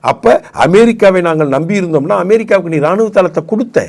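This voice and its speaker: A man's voice: sits high, fast talker, a little mellow. A man, giving combative political commentary on a talk show and firing off repeated rhetorical questions.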